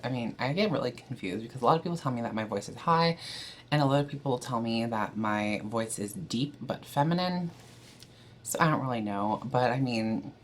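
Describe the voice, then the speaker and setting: A woman's voice: very deep voice, slight background noise. A young trans woman from Canada chatting casually to camera, with frequent fillers and an easy, candid manner. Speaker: vlogger.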